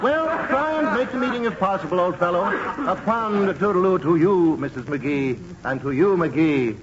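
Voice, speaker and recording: An actor playing a pompous, pun-loving gentleman in an old radio comedy, on an old broadcast recording. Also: sits high, lively intonation, moderate pace, highs cut off, heavy background noise. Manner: pompous, fond of puns. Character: pompous punning man-about-town.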